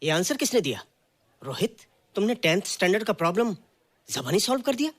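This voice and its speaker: A man's voice: high voice, big pitch swings, brisk, a crowd in the background. An actor playing a surprised male maths teacher who questions a student in wonder. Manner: astonished, questioning. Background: film music.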